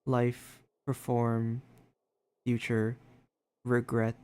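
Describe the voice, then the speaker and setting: A man streaming a story game. His voice sits at an average pitch as he reads the on-screen text aloud and drops into casual, conversational commentary. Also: monotone, very slow, warm tone, clean tone.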